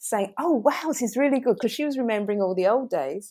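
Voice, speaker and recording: Recorded very cleanly against a silent background, a woman talks with a London accent. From London, England. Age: 60s. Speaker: author. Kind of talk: interview. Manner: energetic.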